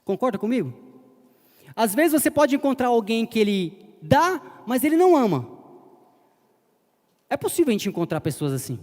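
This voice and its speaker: Pastor guy telling a story in his sermon, really high voice, long echo. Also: big pitch swings, moderate pace, pauses often, darkish tone. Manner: conversational, retells a personal story acting out short quotes. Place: church hall. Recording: long hall reverb.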